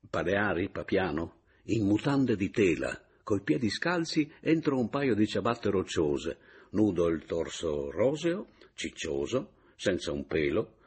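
A man narrating a literary novel as an audiobook reader, with expressive, varied intonation. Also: fairly low pitch, slightly rough.

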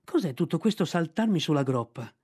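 A man voicing a calm, cool panther who speaks quietly. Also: on the high side, a little fast, slightly rough, no room sound, studio quality. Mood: cool, dry.

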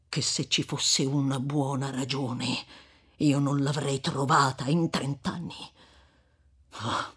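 A severe, fervent old friar from a classic novel read aloud, played by a woman reader, speaking low with a husky, breathy edge. He draws his words out slowly and heavily, scolding hard one moment and dropping to a grave hush the next. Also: exaggerated voice. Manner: stern scolding, rising to cries, then slow and hushed.

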